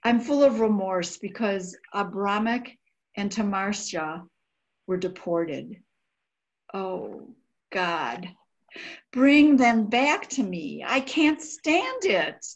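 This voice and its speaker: Older woman, slow emotional reading. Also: mid-range voice, lively intonation. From United States. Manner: emotional, halting, sighing delivery. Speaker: volunteer diary reader. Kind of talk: dramatic reading of a diary. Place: indoor room by a window.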